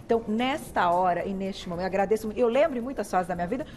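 A middle-aged woman with a Brazilian accent, hosting a TV talk show and telling personal stories in a warm, chatty way. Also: mid-range voice, racing, slight background noise. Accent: Brazilian Portuguese. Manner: warm, chatty, emotional storytelling. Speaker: TV show host.

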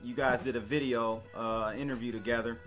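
Young guy hosting a chill interview, bright tone, encouraging, talking into a stand mic. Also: medium pitch, fairly even intonation, brisk, faint music behind. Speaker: podcast host. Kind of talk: casual interview chat. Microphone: studio microphone on a stand.

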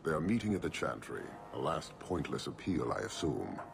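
An actor playing a stern, solemn horned warlord in a video game, speaking in a slow, measured, formal way. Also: male voice, rumbling low, sing-song, creaky, exaggerated voice. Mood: solemn, unyielding.

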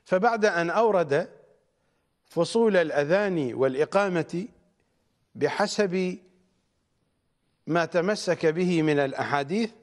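A man giving a religious lecture, speaking deliberately and rising on emphasized words. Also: on the high side, expressive. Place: studio.

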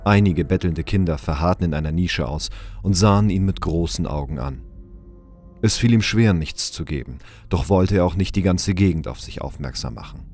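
A man's voice: low voice, moderate pace, darkish tone, soft background music. A man reading scripted, descriptive narration for a sci-fi audio drama.

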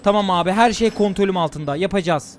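A young man streaming a horror game run, giving fast excitable commentary to himself and viewers. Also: high voice, a little hiss or hum. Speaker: gaming streamer. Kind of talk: excited let's-play commentary.

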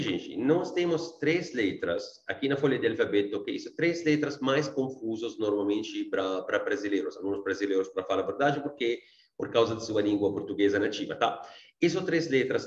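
A man's voice: on the low side, roomy sound, highs cut off. A man with an Arabic accent teaching a beginners' language lesson online. He repeats his points and keeps checking in with his students. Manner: repeats himself, checks in often with tá and gente.

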